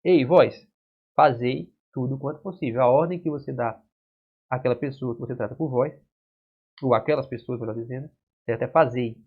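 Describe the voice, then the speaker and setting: Male Brazilian prep teacher, mid-pitched and husky, keeps asking "right?" as he explains. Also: a little fast. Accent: Brazilian Portuguese. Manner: explains step by step with frequent "certo?" and "né?" checks. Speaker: exam-prep Portuguese teacher. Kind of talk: whiteboard grammar lesson. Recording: dull lo-fi classroom recording.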